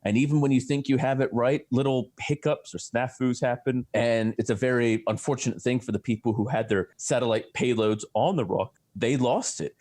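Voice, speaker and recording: A man's voice: mid-range voice, steady tone, normal speed, few pauses, darkish tone. An American man co-hosting a science show, explaining in a chatty way with many restarts and fillers. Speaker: astrophysicist co-host. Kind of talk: casual science chat.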